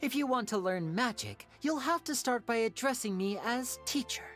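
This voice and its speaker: Suave, lilting young stage magician. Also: male voice, extremely high pitch, expressive, moderate pace, fairly bright tone. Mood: teasing. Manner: theatrical, polished, teasing. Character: suave young male stage magician, playful, courteous showman. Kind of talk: video game voice acting. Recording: game audio with music behind.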